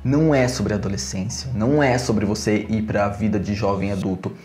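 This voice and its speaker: A man's voice: on the low side, normal speed, faint music behind. Young man explaining eagerly in a roomy room. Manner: animated, gestures a lot while explaining. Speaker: video essay host. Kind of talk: casual explanatory vlog. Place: small room at home, brick wall behind.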